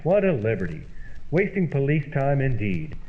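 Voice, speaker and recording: A man playing an exasperated, bossy flatmate in an old-time radio comedy, sarcastic and blustering. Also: mid-range voice, moderate pace, natural voice. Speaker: comedy double-act performer. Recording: dull old-time radio sound, faint hiss.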